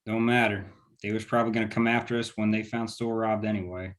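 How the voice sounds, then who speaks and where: A man's voice: lowish voice, little pitch movement, quick pace, natural voice. A man reading the part of a confident, decisive small-town leader in a drama, folksy and clipped. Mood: urgent, decisive. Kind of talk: screenplay table read.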